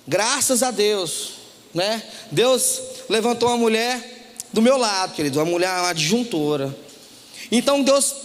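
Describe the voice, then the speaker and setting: A man's voice: very high voice, a bit bright. A Brazilian man giving a sermon testimony, telling his story and acting out the dialogue, often calling the listeners "dear". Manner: storytelling, acts out dialogue, calls listeners "querido". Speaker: church speaker giving testimony. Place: church hall. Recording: long hall reverb.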